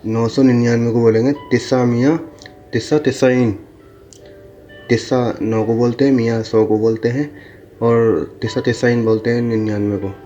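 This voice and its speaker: A man teaching a slow, repetitive lesson, saying each number again and again and correcting mistakes in the book. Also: mid-range voice, fairly even intonation, dark tone, lo-fi sound, faint music behind. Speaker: Arabic teacher.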